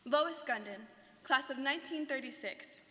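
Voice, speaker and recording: A woman's voice: sits high, normal speed, sharp tone. A young woman, a student actor, giving an earnest, rehearsed account of a life in the first person. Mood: earnest recollection. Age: young adult. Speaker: student performer in a dramatic reading. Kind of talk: rehearsed staged monologue. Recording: live reading in reverberant hall.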